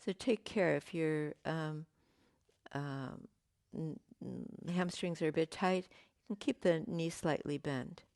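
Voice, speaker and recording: A woman teaching a yoga class, giving gentle, unhurried cues with pauses and fillers, her voice slightly croaky. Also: sits low, no room sound, studio quality. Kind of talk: guided yoga class instruction.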